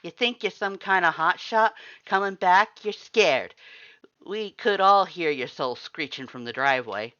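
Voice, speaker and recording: A man's voice: high-pitched, animated, a little slow, bright, forceful tone, smooth, no room sound, muffled recording, voice pushed up, heavily acted. A man voicing a surly, short-tempered skeleton monster who growls and swears confrontationally in a story reading. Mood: aggressive, taunting.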